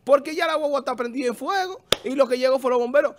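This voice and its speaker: This is a man hosting a chatty TV program. His voice sits high for a man. He talks emphatically, hammering and repeating his points about staying positive. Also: fast, noisy background. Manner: emphatic, repeats words, preachy about optimism. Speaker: TV show host. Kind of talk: casual studio banter on a TV show.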